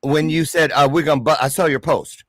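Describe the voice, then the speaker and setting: A man's voice: on the high side, steady tone, fairly quick, a bit bright, no room sound, studio quality. A man hosting a casual livestream interview show in an exuberant, playful, slangy way. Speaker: show host.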